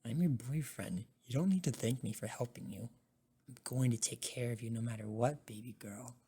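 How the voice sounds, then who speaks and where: Woman acting as young college boyfriend, low breathy voice, caring, dominant, soothing, ASMR roleplay. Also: normal speed, warm tone, heavily acted. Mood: tender.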